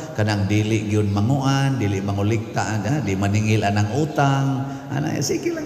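A man's voice carries audible room echo. Light background noise sits behind it. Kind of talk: homily with jokes. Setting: church. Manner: animated; humorous, teasing, laughing. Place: church. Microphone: podium.

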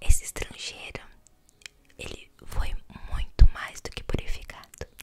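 A woman is whispering. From Brazil. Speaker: ASMR creator. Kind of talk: ASMR Bible reading and devotional. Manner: soft-spoken, whispering. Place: home room. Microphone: studio mic.

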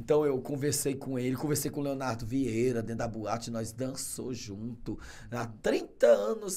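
A man's dark, mellow tone at a moderate pace. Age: 40s. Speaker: podcast guest, preacher. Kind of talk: testimony in podcast interview. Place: studio. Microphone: studio mic.

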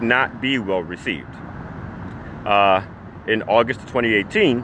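Noticeable background noise behind a man speaking, the sound dry with no echo. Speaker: social commentator. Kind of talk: opinion monologue. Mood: critical, earnest. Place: street. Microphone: phone near.

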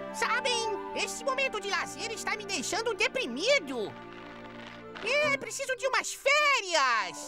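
A cartoonish character voice at a fairly slow pace, with clear music in the background. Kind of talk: cartoon dub comic acting. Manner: excitable, playful.

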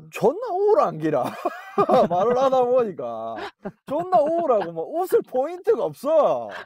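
With a Busan accent, a man talks at a fairly slow pace with long, frequent pauses in a dry sound that has no echo. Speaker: caller talking with old friend. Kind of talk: casual phone call with a friend. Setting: phone line. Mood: wry, joking about being gloomy. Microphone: phone line.

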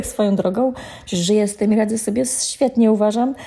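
A woman at a fairly quick pace. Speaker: artist podcaster. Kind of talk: casual podcast monologue. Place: home room.

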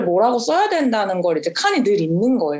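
A woman at a very fast pace with very wide pitch swings, over a quiet background. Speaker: visual artist and festival producer; panel discussant. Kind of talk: panel discussion. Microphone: webcam.

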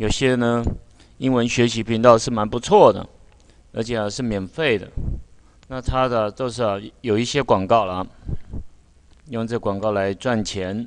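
Pausing long and often, a man speaks at a medium pitch with a Chinese accent. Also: fairly even intonation, moderate pace. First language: Mandarin Chinese. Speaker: English teacher at a vocational high school. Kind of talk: morning broadcast English lesson to students. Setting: school PA broadcast.

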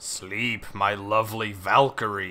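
Using a put-on character voice, a man speaks guttural and fairly low at a fairly slow pace. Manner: menacing, sinister.

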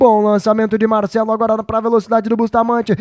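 The man's voice comes across as a dry sound with no echo over a quiet background. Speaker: radio sports commentator. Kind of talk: live football commentary, play-by-play. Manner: animated, excitable, shouting goal calls.

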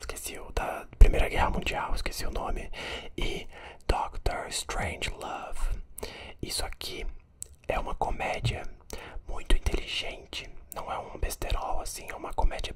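A man is whispering at a fairly slow pace. There are long, frequent pauses and big swings in loudness. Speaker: film reviewer. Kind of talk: casual vlog chat. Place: home room. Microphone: studio mic.

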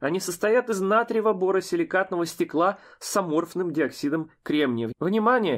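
A high-pitched man with lively intonation at a moderate pace, on a very clean recording with a silent background. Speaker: health products seller and video blogger. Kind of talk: video monologue reading testimonials.

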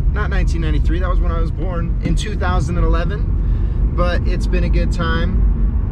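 A man's voice comes through dry with no echo, set against loud background noise. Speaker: vlogger. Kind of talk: casual vlog chat. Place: car. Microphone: phone near.

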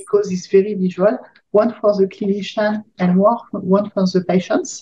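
A woman with a French accent, dark, mellow and somewhat breathy, at a moderate pace with fairly even intonation. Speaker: coach and interviewer. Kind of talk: interview questions. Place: home room.

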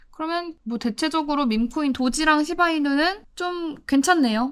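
At a moderate pace, a woman talks in a high voice. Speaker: announcer hosting a crypto market show. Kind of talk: live market analysis talk. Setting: studio live stream. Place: studio. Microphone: studio mic.

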